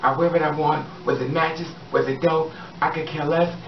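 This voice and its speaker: A woman's voice: deep voice, fairly even intonation, fairly quick. A middle-aged woman vlogging straight to the camera in a hallway at home, blunt and sassy, with swearing. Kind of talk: direct-to-camera monologue. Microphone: camera a few steps away. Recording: roomy, distant, dull sound with background hiss.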